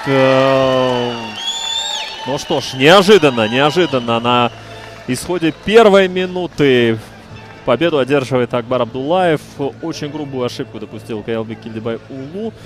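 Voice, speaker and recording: A man giving live fight commentary in a hesitant way, searching for his words as he goes. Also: mid-range voice.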